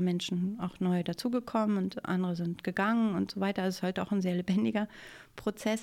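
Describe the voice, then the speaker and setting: Her tone is dark and mellow. The woman speaks at a fairly quick pace. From northern Germany, Angeln region of Schleswig-Holstein. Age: 40s. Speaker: tiny-house project organiser. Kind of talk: interview.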